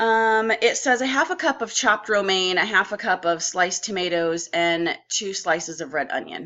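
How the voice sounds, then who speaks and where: A woman with a normal speaking voice talks at a moderate pace with lively intonation. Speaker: diet vlogger. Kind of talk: casual vlog. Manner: rambling with many fillers.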